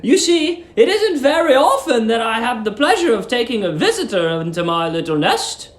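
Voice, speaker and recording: A man voicing a sweet, eerily eager middle-aged English landlady in a cooing, genteel manner with drawn-out emphasis. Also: extremely high pitch, sing-song, roomy sound, voice pushed up. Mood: sweetly coaxing.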